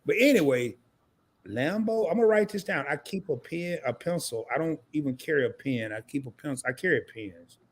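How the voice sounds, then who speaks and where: A man's voice: fairly high pitch, animated, a little fast, husky. A man co-hosting a casual live stream, joking around, laughing often and reading viewer comments aloud. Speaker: co-host of a credit live stream.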